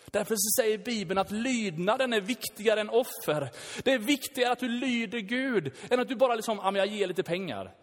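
A man preaching a sermon, lively and casual, acting out prayers and switching between loud and hushed. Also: sits high. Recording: long hall reverb.

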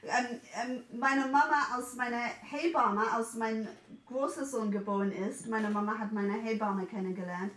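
English woman in her 40s, german chat, highish voice, kinda far off in a roomy space. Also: measured pace. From England. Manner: animated, mixes in English words, acts out quoted voices. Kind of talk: casual chat. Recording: echoey room, a bit off mic.

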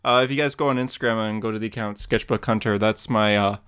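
A man's voice: fairly low pitch, steady tone, fast talker, fairly bright tone, clean tone. A man co-hosting a podcast about comics, chatting casually and rambling, with frequent laughs mid-sentence. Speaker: podcast co-host and comic artist. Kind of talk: casual chat.

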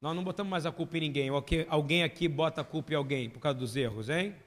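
A man's voice: a little high, fast. A man preaching a sermon as pastor, emphatic and full of questions to the congregation. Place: church hall. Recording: long hall reverb.

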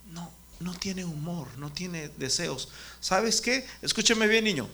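Bright high-voiced man preaching to children. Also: expressive, slow, creaky. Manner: engaging, asks the children questions by name. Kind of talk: children's sermon.

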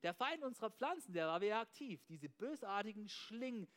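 A man's voice: high-pitched, sing-song, moderate pace, a bit bright. A man preaching a sermon with energy, often starting phrases with "hey" and checking in with "ja?", mixing in English slang words. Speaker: pastor.

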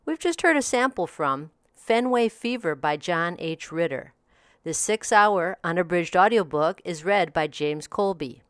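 A woman hosting a daily audiobook review podcast, reading from a script. Her voice is smooth and resonant and sits slightly low. The booth is close and dry, with no echo.

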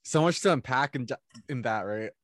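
A man's voice: medium pitch, expressive, normal speed, a bit bright, no echo, clean studio sound. A man in his twenties chatting casually over a video call, joking, teasing and laughing often. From Filipino family. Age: 20s.

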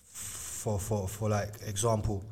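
A man's voice: fairly low pitch, flat delivery, slow pace, background noise. A man with a London roadman accent, chatting casually in street slang in a group discussion.

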